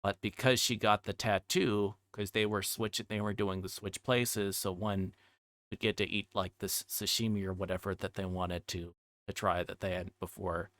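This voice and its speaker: Male game streamer, lowish pitch, casual and halting delivery, dry sound. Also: flat delivery, a bit bright, no room sound. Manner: halting, thinking aloud. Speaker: livestreamer. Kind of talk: casual game commentary and read-aloud.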